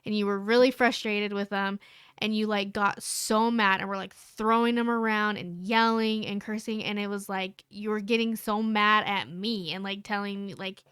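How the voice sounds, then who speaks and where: A woman's voice: mid-range voice, fairly even intonation, normal speed, fairly bright tone, clear, resonant tone, no echo, clean studio sound. A woman co-hosting a candid couple's conversation, earnest and rambling with many fillers. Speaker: podcast co-host.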